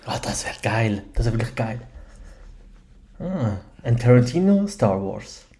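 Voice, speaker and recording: A man's voice: medium pitch, sing-song, a little slow, mellow. Swiss German man hosting a casual podcast. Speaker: podcast host. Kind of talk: casual film chat.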